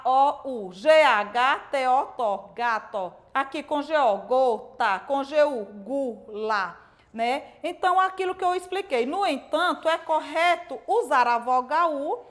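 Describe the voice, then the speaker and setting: A woman teacher giving a recorded video lesson to young pupils, explaining slowly, repeating herself and sounding out syllables one by one. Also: high voice. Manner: explains slowly and repeats points, asking "certo?" and "né?" often.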